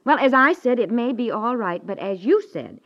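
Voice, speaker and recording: A woman's voice: a little high, animated, normal speed, natural voice. An American woman playing a sweet but nagging wife in a naturalistic 1950s radio comedy, coaxing and hesitant, full of endearments. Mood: annoyed, reproachful. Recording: dull vintage 1950s radio recording.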